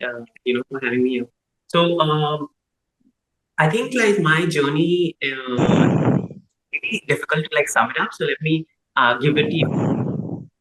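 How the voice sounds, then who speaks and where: A young trans woman raised in Dubai tells her personal story as a TV interview guest, speaking reflectively with frequent pauses and restarts. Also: sits low, animated, reverberant, background noise. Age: young adult. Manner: reflective, thoughtful, often pauses and restarts, many "like" and "you know". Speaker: guest, trans writer and content creator.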